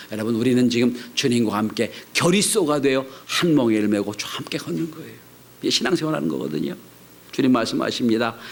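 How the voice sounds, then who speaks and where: A pastor delivers a Sunday sermon, swinging from loud cries to hushed, whispered lines. His voice is mid-range and creaky.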